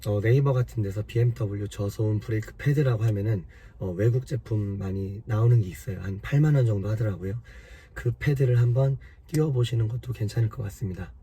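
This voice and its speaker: Hoarse guy w a low dark voice, walking viewers thru car repair slowly and patiently. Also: slight background noise. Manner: patient, step-by-step explaining. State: hoarse from a cold. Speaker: car maintenance vlogger. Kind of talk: casual explanatory talk to viewers.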